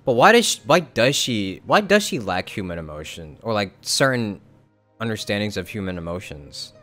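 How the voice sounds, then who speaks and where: Low-voiced young man streaming casually. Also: sing-song, a bit bright, faint music behind. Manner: informal, slangy, halting. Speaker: game streamer. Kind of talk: casual live game commentary.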